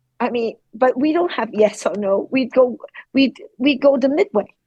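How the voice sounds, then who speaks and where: Her voice high in pitch with a dark, mellow tone, a woman speaks at a moderate pace with lively intonation. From Hong Kong. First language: Cantonese. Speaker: art gallerist. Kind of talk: interview conversation.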